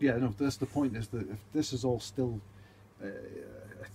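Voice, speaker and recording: With a Scottish accent, a man speaks at medium pitch and a moderate pace, his intonation fairly even over light background noise. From Scotland. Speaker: whisky podcast co-host. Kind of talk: casual chat. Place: home room.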